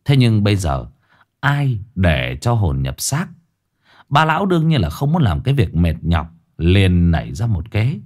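A man narrating a folksy ghost story in a lively way. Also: lowish voice, a little slow.

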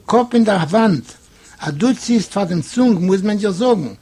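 A man's voice: high voice, animated, a little slow, dark tone, breathy edge. A man whose first language is Yiddish, reading a literary story aloud expressively and voicing its quoted dialogue. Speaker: reader.

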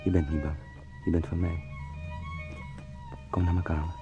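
Gregor, tormented man-beetle, gravelly and low. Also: level tone, moderate pace, lo-fi sound, over music. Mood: obsessive, yearning. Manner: anguished, pleading, brooding. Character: Gregor, tormented young man turned into giant beetle, obsessive. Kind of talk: intimate radio drama monologue.

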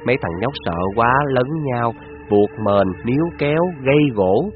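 A man, narrating a scripted story in a measured, descriptive way. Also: medium pitch, phone-quality sound, soft background music.

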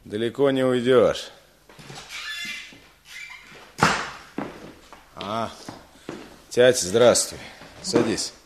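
An actor playing a hard, brooding young peasant husband in a radio play, blunt and threatening in manner. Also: male voice, mid-range voice, takes it slowly, background noise, close to an everyday voice. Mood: harsh.

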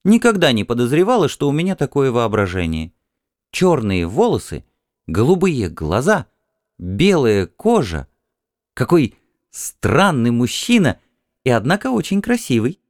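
A man voicing a dreamy, excitable Martian wife in an audiobook, breathless and wondering as she insists on her vision. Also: mid-range voice, a little slow, no room sound, clean studio sound. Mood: dreamy, excited.

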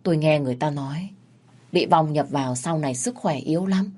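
A woman's voice: deep voice, a little fast, mellow. A woman voicing a bossy, enraged middle-aged wife who scolds her rival in a told story.

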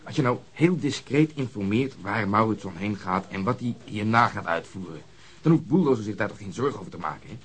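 An actor playing a gruff, brooding, stubborn police detective in a radio drama, with a grumbling, sardonic manner. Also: male voice, on the low side, expressive, fairly quick, natural voice. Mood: persistent, grumbling.

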